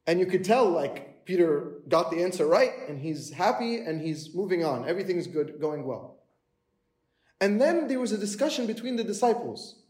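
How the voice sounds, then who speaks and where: A man delivers a sermon in a relaxed, conversational way, slipping into the voices of the people in the story he tells. His voice sits a little high for a man. The room around him has a noticeable echo. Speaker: preacher. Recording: echoey room.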